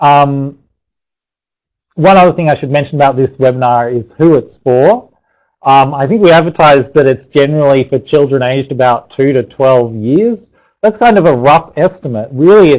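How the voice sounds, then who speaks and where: Lively intonation at a moderate pace, with an Australian accent and a quiet background. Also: man. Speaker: psychologist. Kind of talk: webinar presentation. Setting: live webinar.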